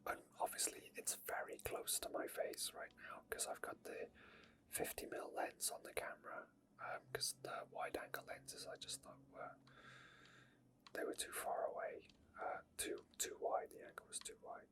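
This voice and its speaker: Close-up whispering ASMR gamer. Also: moderate pace. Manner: soft whispering throughout. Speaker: ASMR gaming video creator. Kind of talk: whispered ASMR game commentary and chat. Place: indoor gaming setup at a computer. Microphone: microphone very close to the mouth.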